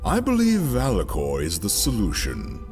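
An actor playing a grave, commanding villainous leader in a sci-fi audio drama, measured and portentous. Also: male voice, fairly low pitch, huge pitch swings. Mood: smug gravity. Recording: distant voice under loud music.

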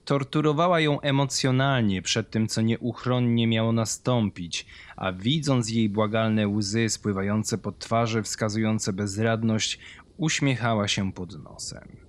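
A man's voice: on the low side, fairly even intonation, a little slow, dry recording. A man giving scripted narration of a horror story.

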